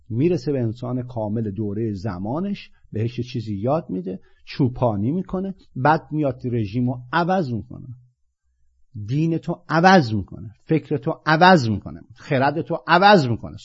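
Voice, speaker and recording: Animated man preaching, lo-fi sound. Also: husky. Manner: swings from low murmurs to loud animated bursts. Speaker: speaker giving a spiritual talk. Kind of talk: impassioned monologue. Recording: dull lo-fi recording.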